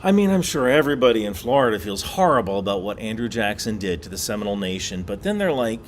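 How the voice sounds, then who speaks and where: A man talks through a casual explainer monologue, his voice swinging lively up and down as he drops wry asides and leans hard on key points. He's recording on a laptop mic while away on a work trip. A faint ambient hum sits under his voice. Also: lowish voice, fast talker. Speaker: YouTube explainer host.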